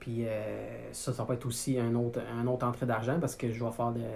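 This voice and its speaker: This man talks at a fairly quick pace and a medium pitch, sounding somewhat breathy. His intonation is fairly even, and his loudness stays very even. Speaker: auto repair shop owner. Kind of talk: casual chat.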